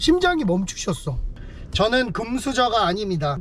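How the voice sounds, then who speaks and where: With noticeable background noise, a man talks at a moderate pace in an animated tone. His pitch is high and swings very widely. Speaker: car YouTuber. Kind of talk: vlog.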